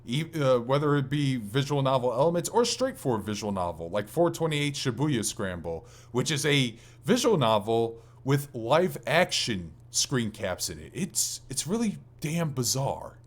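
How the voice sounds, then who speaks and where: A man's voice: mid-range voice, very animated, moderate pace, hardly any pauses. A man co-hosting a podcast, chatting casually and enthusiastically about video games with some swearing. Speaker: podcast co-host.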